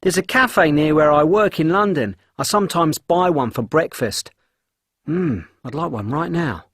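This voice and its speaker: A man's voice: fairly high pitch, expressive, normal speed, husky, dry recording, clean studio sound. A man speaking enthusiastically in a scripted textbook monologue. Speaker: speaker in a textbook listening exercise.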